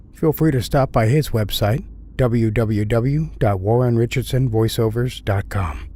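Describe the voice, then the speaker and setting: Low-voiced man reading podcast credits. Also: a little mellow. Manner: conversational, plugging links and credits. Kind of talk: informal podcast outro announcement.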